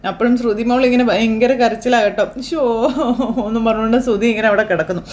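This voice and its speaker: A fast-talking woman with a fairly high voice recaps a TV serial in a chatty, casual way. She slips into the characters' lines as she goes, keeping up a brisk, lively flow. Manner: chatty, acts out the dialogue in quotes.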